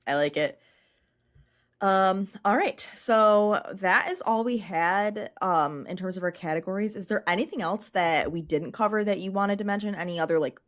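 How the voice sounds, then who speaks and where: A woman hosting a casual movie podcast, giggling often and steering the talk. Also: lowish voice. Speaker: podcast host.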